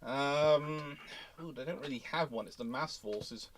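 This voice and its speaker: A man's voice: mid-range voice, measured pace, slight background noise. A British man hosting a casual live question-and-answer stream, thinking aloud and wandering into digressions. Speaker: host answering viewer questions on a livestream.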